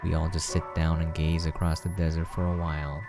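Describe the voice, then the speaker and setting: Male game preview host, low register, reads story text aloud with casual asides, music underneath. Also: level tone, brisk. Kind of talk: reading a visual novel aloud with casual asides.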